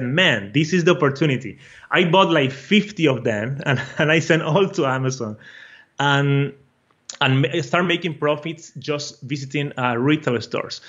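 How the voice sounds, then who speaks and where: A man's voice: fairly high pitch, a bit bright, lo-fi sound. A man from Brazil with a Brazilian Portuguese accent, a guest telling his story in a casual interview, eager and often repeating words as he searches for phrasing. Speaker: guest, online course creator.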